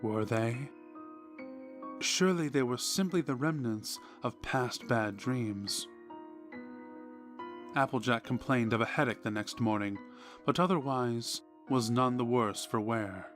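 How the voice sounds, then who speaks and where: A man reading a scripted horror story in a measured, deliberate way, with dramatic pauses. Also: mid-range voice, fairly bright tone. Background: background music.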